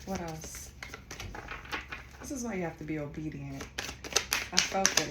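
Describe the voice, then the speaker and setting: A woman from Costa Rica giving a casual tarot reading, talking bluntly and swearing freely. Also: sits low. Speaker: tarot reader. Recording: echoey room with steady background noise.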